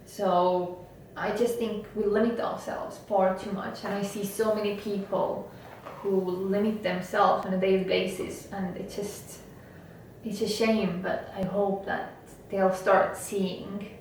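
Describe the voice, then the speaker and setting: Woman, native Estonian speaker, interview guest; steady motivational delivery, flat intonation, distant echoey room. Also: mid-range voice, unhurried, a little hiss or hum. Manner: earnest, motivational, steady and even. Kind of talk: interview conversation.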